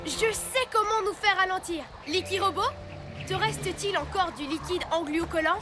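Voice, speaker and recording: A woman's voice: extremely high pitch, moderate pace, loud music behind the voice. A woman voicing a brave little alien boy hero who commands his robot team earnestly in a French cartoon. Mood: determined.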